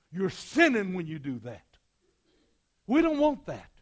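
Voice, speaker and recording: Speaking at a moderate pace, a man with a Southern US accent lets his pitch swing very widely. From US South, West Tennessee. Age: 80s+. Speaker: pastor. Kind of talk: sermon. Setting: church. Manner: animated.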